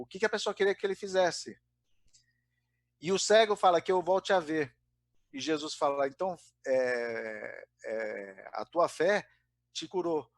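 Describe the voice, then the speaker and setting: A man's voice: a little high, no room sound. A man giving an informal spiritist talk, often hesitating and restarting his sentences. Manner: hesitant, many fillers and restarts. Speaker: spiritist study speaker. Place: Brazil.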